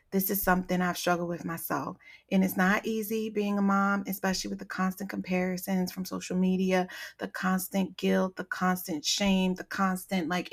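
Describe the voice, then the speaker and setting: A woman in her thirties hosting her own podcast, telling stories in a chatty, animated way with plenty of fillers. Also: mid-range voice. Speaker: podcast host. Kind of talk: casual solo podcast talk.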